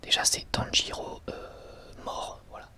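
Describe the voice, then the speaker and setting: Whispering Frenchman, ASMR style. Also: sharp tone. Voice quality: breathy, unvoiced whisper. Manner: hesitant, halting, wryly sarcastic. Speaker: ASMR video host. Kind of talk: whispered ASMR product review.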